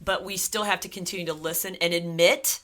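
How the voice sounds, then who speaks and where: A woman's voice: lowish voice, fairly even intonation, fairly quick, fairly bright tone. A woman co-hosting a Christian marriage podcast, speaking sincerely and thoughtfully in casual conversation.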